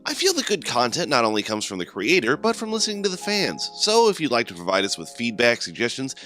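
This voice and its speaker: A man's voice: medium pitch, huge pitch swings, quick pace, pushed and bright, soft background music. A man who creates and narrates a podcast, reading from a script in a polished, prepared style. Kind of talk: scripted announcement and story narration.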